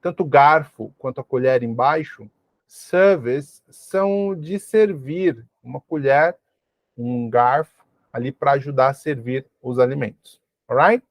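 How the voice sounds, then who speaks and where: A man from Brazil giving a video English lesson, repeating each word slowly and checking in with "ok?". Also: medium pitch, no room sound. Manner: repeats words slowly for practice, frequent "ok?". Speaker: English teacher.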